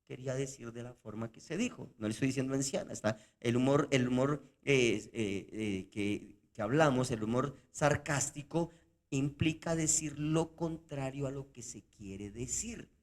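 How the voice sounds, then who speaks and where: A man's voice: medium pitch, normal speed. A man co-hosting a Christian podcast, explaining points emphatically and acting out example lines in casual discussion. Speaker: podcast co-host.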